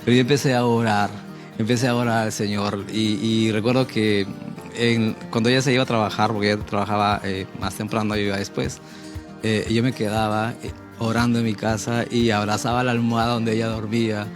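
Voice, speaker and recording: A man's voice: lowish voice, flat delivery, fairly quick, music in the background. A man from Peru giving an earnest, emotional personal testimony on a Christian talk show and acting out his own prayers. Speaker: guest sharing testimony.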